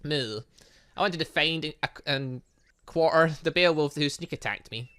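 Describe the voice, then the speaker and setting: This YouTuber's voice is fairly high, sharp yet smooth, and unhurried as he reads a visual novel aloud for a let's play. He adds his own remarks and often stumbles and corrects himself, with no echo in the recording.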